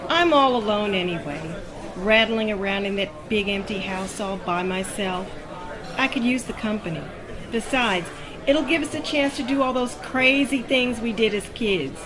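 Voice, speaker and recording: A woman's voice: mid-range voice, normal speed, close to an everyday voice. A woman playing a bubbly, coaxing, mischievous friend in an audio drama. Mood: concerned, coaxing. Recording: busy public background chatter.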